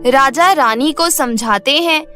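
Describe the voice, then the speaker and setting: A woman's voice: high voice, slow pace, pushed and bright. A woman narrating a scripted children's cartoon story. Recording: music bed behind the voice.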